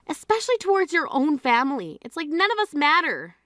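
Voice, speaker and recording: A woman acting out a blunt, exasperated grieving sister in a drama, scolding her sibling with a high, bright, sharp-edged voice. The sound is close and dry, with no room around it. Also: sing-song, a little fast, dry recording.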